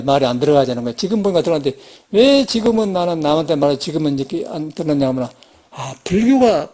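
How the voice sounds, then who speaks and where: High-voiced Korean monk, rambling sermon. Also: male voice, darkish tone. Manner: rambling, conversational, with frequent restarts and rhetorical questions. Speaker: Buddhist monk giving a dharma talk. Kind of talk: informal sermon. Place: temple meditation hall.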